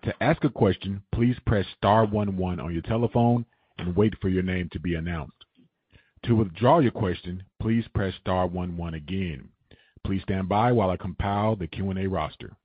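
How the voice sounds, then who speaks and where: A man with a deep, husky voice gives a scripted operator announcement. The sound is narrow and phone-like, with no room echo. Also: normal speed. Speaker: conference call operator. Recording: dry, narrow telephone line.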